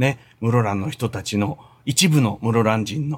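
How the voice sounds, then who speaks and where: A man's somewhat breathy voice at a medium pitch, on a very clean recording with a silent background. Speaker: live streamer. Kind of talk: casual live-stream chat reading viewer comments. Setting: live stream. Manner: animated, laughing often.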